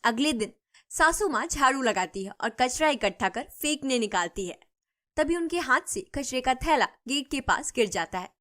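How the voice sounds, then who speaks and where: A woman telling a cartoon story in steady scripted narration. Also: sits high, normal speed.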